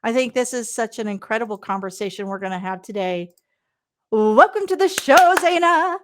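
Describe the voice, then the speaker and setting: Woman podcast host, bubbly, energetic, slightly high voice, casual interview. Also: moderate pace. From Canada. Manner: bubbly, energetic, filler-heavy.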